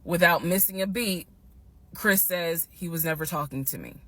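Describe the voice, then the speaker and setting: Lowish-voiced woman telling a story. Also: dry recording. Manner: animated, emphatic, slows down to stress key points. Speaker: storytime vlogger. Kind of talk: casual storytelling.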